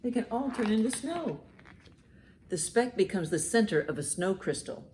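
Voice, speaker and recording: A woman hosting a children's storytime, reading and explaining in simple, expressive language meant for young listeners. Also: mid-range voice, moderate pace, slight background noise. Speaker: children's librarian, storytime host. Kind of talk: children's storytime, reading a picture book aloud and commenting.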